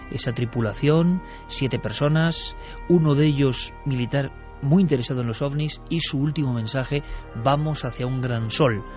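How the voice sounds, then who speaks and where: A man's voice: mid-range voice, darkish tone. Male radio host, suspenseful delivery, muffled broadcast audio. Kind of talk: late-night radio talk.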